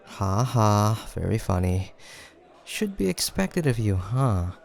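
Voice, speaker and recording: A man acting a playful, creaky-voiced teasing guy friend. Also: on the low side, very animated, takes it slowly, a little mellow, heavily acted. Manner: playful teasing, frequent chuckles, casual banter. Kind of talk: improvised audio roleplay addressed to the listener.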